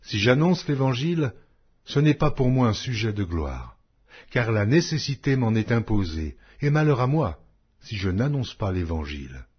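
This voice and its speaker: A man reading scripture as a solemn scripted narration, measured and declamatory, with emphatic phrasing. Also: lowish voice, big pitch swings, breathy edge, lo-fi sound. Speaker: narrator of an audio Bible.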